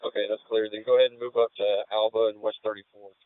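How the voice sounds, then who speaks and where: A man's voice: on the low side, flat delivery, fast talker, no echo. A man working as a police officer, giving matter-of-fact directions in clipped two-way radio traffic. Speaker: police officer coordinating a search over radio. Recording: tinny narrowband police radio scanner feed.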